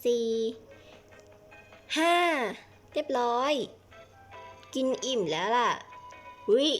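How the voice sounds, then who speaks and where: A playful woman narrating and acting out a game role-play, skipping from one little character to the next. Her voice sits fairly high, and soft music plays faintly underneath. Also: animated, very slow. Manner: chatty, switching between characters.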